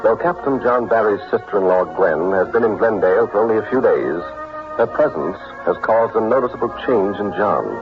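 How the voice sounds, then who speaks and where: Brief: male narrator for an old-time radio show, lowish and lively in pitch, muffled vintage radio sound over music. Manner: formal, measured storytelling delivery. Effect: old-time radio broadcast sound. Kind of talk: scripted announcer narration.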